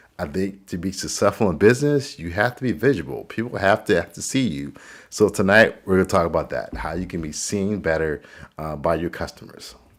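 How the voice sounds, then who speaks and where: The speech moves at a fairly quick pace with an animated tone and lively intonation. Loudness swings widely throughout. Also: man, very deep, low pitch for a man. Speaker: digital marketing coach and webinar host. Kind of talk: webinar presentation. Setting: online webinar. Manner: fast.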